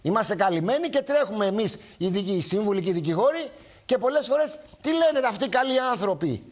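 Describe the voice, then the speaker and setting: A man's voice: high-pitched, lively intonation. A man hosting a live television talk show, speaking emphatically to viewers and repeating his points.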